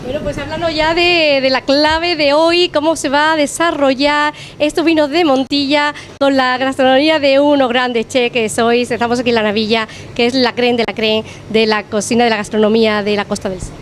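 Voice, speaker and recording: A woman with an Andalusian accent, a TV host, interviewing a chef in a kitchen with enthusiastic, flattering questions. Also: high voice, normal speed, hardly any pauses, slight background noise. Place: restaurant kitchen, indoors. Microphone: handheld mic.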